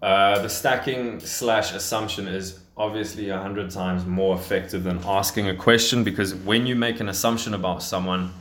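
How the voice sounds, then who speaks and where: A low-voiced man talks as a casual co-host, backing up his partner with emphatic agreement and explaining his points in quick bursts. His voice carries a noticeable echo from the room he is in. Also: fairly even intonation, fairly bright tone. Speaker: dating coach. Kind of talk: casual instructional podcast chat.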